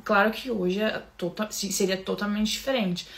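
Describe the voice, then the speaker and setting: Telling a personal story to camera, a woman from Brazil speaks in a soft, halting voice with a Brazilian Portuguese accent, frequently restarting and speaking directly to her audience. Her pitch is medium and her intonation fairly even.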